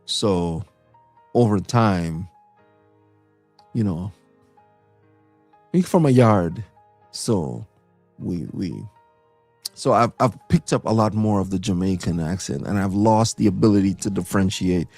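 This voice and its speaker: A middle-aged Trinidadian man with a low voice that swings widely as he talks, chatting casually and laughing easily. The recording is dry and close, with soft music playing under him. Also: takes it slowly, pauses often, dry recording. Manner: animated, laughs often, lots of fillers and restarts. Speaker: co-host. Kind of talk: casual chat.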